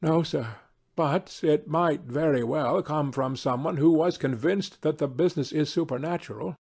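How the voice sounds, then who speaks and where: A man's voice: fairly high pitch, moderate pace, creaky, a little mellow, husky. A man reading an audiobook as an earnest, polite country doctor with a matter-of-fact delivery.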